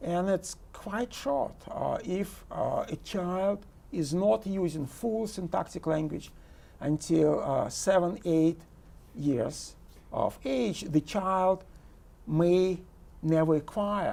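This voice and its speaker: On a very clean recording with a silent background, a man with a non-native accent speaks at a very slow pace, high in pitch for a man, with a dark, mellow tone and ordinary pitch variation. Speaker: neuroscience professor. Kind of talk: interview. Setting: studio. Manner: hesitant, many fillers.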